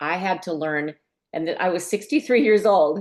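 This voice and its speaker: This woman has a medium pitch and lively intonation. The background is quiet. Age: 60s. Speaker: online business coach, former hairstylist. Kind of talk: testimony. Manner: animated.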